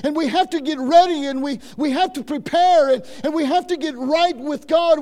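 A man's voice: extremely high pitch, a little mellow. An older man preaching a sermon in a church, building emphasis through repetition and restarts. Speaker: pastor.

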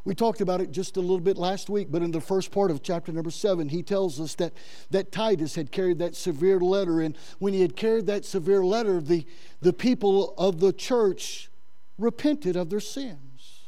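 A man's voice: high voice, moderate pace, dark tone. A middle-aged male pastor preaching a sermon fervently, often stumbling into repeated words, with a big voice.

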